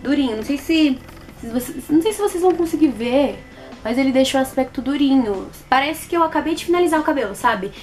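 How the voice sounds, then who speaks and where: A woman in her twenties with a Brazilian accent, chatting casually to camera as a beauty vlogger, expressive and repeating words for emphasis. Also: high-pitched, quick pace, faint music behind. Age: 20s. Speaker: beauty vlogger reviewing products. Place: small plain indoor room.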